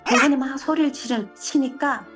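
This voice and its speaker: A middle-aged woman from North Korea giving a personal testimony, telling her story in a lively way and acting out the dialogue. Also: high voice, moderate pace, over music. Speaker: interviewee.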